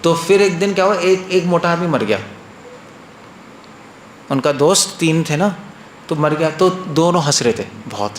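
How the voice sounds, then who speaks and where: A male monk tells a story in a loose, chatty sermon, often checking that his listeners follow him. His voice sits a bit higher than most men's. The room gives it a noticeable echo, with a faint hiss behind. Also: lively intonation, unhurried, pauses often. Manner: conversational, checks listeners follow, repeats phrases. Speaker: monk and spiritual teacher. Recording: roomy echo, faint noise.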